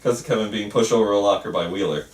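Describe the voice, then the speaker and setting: Low-voiced man reading stage directions, roomy sound. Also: fast. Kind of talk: scripted narration at an amateur table read. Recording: echoey room, distant mic, faint noise.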